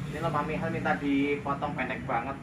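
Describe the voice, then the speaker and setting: A man's voice: on the high side, fairly even intonation, fairly quick. A man chatting casually with his client and friends while cutting hair in a small salon. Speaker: barber and channel host. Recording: roomy, far from the mic, noisy.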